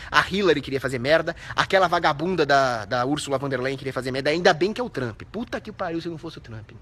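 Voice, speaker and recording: A young Brazilian man hosting a live stream, reading viewer comments between indignant, profane rants. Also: a little high. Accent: Brazilian Portuguese. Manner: shouts out viewers' names. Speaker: livestream host.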